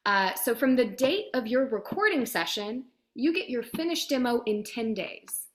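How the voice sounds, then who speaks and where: A woman's voice: on the high side, animated, normal speed. A woman talking as an interview guest in an enthusiastic, chatty, emphatic conversational manner, explaining her work as a producer and director.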